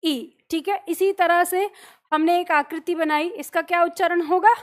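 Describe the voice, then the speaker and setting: A woman with a high voice teaches a grammar lesson. She explains patiently with simple everyday examples. She keeps asking her class questions and then answering them herself. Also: steady tone, a little slow.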